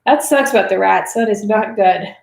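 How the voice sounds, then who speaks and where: Gravelly-voiced woman in her thirties, chatty. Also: mid-range voice, normal speed, a little mellow. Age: 30s. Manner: chatty, reads viewer comments, many fillers. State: voice going raspy. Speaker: livestream host answering money questions. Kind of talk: casual livestream chat. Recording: roomy echo.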